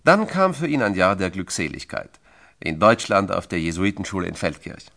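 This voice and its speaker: A man with a deep voice narrates a scripted biography. His pitch moves widely as he stresses phrases, giving a dramatic, solemn storytelling delivery. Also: very animated, normal speed, gravelly, fairly bright tone.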